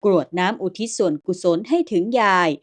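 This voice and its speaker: A woman's voice: fairly low pitch, a little fast, natural voice. A woman voicing a kindly old grandmother ghost. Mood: reassuring. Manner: old rustic speech, calm and reassuring.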